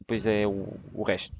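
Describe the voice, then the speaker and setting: A young man with a European Portuguese accent doing excitable let's play commentary, breaking into loud exclamations. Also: fairly low pitch, gravelly, breathy edge, dull audio. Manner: excitable, bursts into exclamations and laughter. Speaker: gaming YouTuber.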